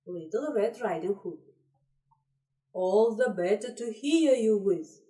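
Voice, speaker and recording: A woman English teacher giving a lesson to young children, encouraging and repeating instructions slowly. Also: medium pitch, expressive, warm tone. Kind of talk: classroom lesson for young pupils. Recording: roomy echo, distant mic.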